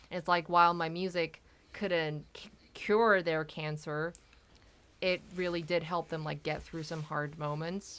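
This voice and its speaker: A woman's fairly low voice in an American accent, fairly slow, with monotone, flat intonation and big swings in loudness. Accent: American-sounding English, often asked about. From South Korea. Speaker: podcast host and musician. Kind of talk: casual chat.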